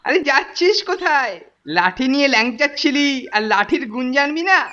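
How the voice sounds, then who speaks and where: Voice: high-pitched, animated, brisk, bright, forceful tone, lo-fi sound, a little hiss or hum. A performer voicing a boastful, teasing teenage senior schoolboy bully in a Bengali cartoon. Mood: taunting. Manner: taunting, boastful. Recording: music behind the voice.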